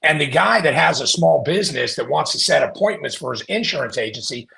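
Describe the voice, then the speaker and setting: A man with a very gravelly, fry-heavy voice, talking casually as a podcast guest. He tells stories with energy and acts out what people said. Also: fairly high pitch, fairly quick. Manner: animated storyteller, acts out quoted voices. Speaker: podcast guest, marketing company founder.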